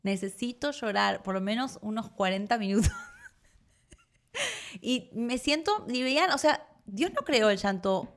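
A woman, co-hosting a casual chat with her partner in an expressive, emotional way. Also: on the high side, a little slow. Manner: expressive, emotional, laughs easily. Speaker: co-host.

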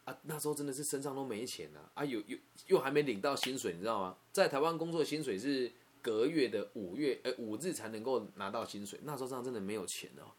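A man's voice: mid-range voice, quick pace, few pauses, slight background noise. A young man from Taiwan with a Taiwanese Mandarin accent, telling a personal story in an emotional, conversational way. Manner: emotional, conversational, repeats words and asks "you know?".

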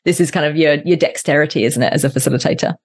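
A woman's voice: deep voice, rapid-fire. A woman facilitator chatting as a podcast guest, reflective and thinking aloud with many restarts. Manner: reflective, with frequent restarts and fillers. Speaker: guest, workplace learning facilitator. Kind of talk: casual podcast conversation.

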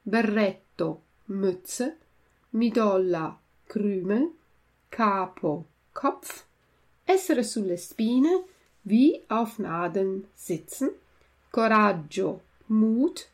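A woman teacher reading a story aloud slowly, giving different voices to the characters, then going through a word glossary. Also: mid-range voice, animated.

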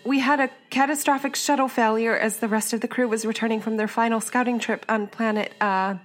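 An actress playing a sarcastic young scientist stranded alone in space, talking and whispering to herself in an audio drama. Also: female voice, on the high side, natural voice. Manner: sardonic self-talk, mutters and whispers to herself. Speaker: stranded ship biologist.

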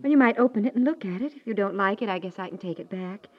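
An actress playing an apologetic, defensive but loving wife in a 1950s radio domestic comedy, explaining herself earnestly at length with an American accent. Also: female voice, mid-range voice, fast talker, natural voice. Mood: hurt, earnest. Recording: dull band-limited 1950s radio recording.

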